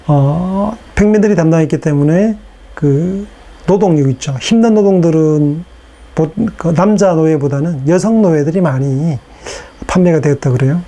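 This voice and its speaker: A man giving a recorded lecture in a casual, unhurried way, with fillers and rhetorical questions, his voice strained from hours of recording. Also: fairly high pitch, dark tone.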